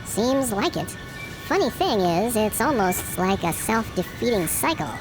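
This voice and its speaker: A woman's voice: mid-range voice, big pitch swings, a little slow, music in the background, low-quality recording. A woman playing a practical, wry castaway in an audio drama, explaining things casually. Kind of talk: audio drama character dialogue.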